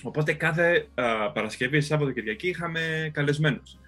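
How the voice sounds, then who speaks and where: A man with a bright but husky voice, joking around in casual podcast chat and stumbling over fillers. Faint music plays underneath. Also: fairly high pitch. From Greece. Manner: joking, hesitant with many fillers. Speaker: podcast co-host. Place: living in the United States.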